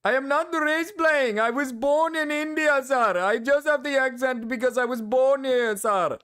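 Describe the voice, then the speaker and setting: A man's voice: very high-pitched, measured pace, fairly bright tone, smooth, voice pushed up. A man putting on a pleading, mock-earnest man who insists on his innocence in a whiny, insistent way.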